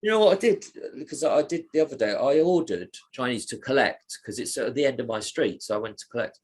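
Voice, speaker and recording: A man's voice: mid-range voice, expressive, quick pace, slight background noise. A man co-hosting a podcast, chatting casually, rambling and laughing often. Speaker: podcast co-host. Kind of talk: casual chat. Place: Brighton.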